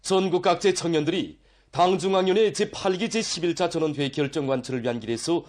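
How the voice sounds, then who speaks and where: A man's voice: a little high, fast talker. A man with a North Korean accent reading scripted news narration in a solemn, declamatory manner. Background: faint music.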